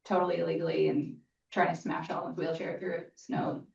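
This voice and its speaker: A woman's voice: low voice, level tone, moderate pace, gravelly, a little mellow. A woman speaks candidly at a town commission meeting. She is far from the microphone in an echoey room, and the audio is dull. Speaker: commission member. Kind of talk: public meeting discussion. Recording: echoey room, distant mic, dull sound.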